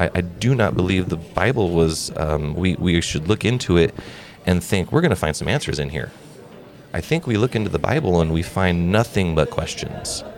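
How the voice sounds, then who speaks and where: At a moderate pace, this man talks in a very deep, low voice whose pitch varies in an ordinary way, with noticeable background noise present. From Montana. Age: 40s. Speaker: podcast co-host, Marine veteran. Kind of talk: casual chat.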